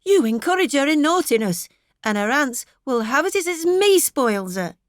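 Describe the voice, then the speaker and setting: Woman narrator as dull-witted mother, fretful, coaxing, complaining, lifted pitch, dry close storybook recording. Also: sing-song, normal speed, dry recording. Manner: fretful, plaintive scolding.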